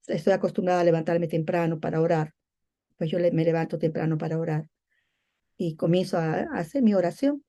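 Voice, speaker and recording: Middle-aged woman from venezuela telling her church testimony, mellow soft tone, heartfelt, acts out the back and forth. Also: mid-range voice. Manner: heartfelt storytelling, acting out remembered conversations. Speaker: church member giving a testimony. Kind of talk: personal faith testimony.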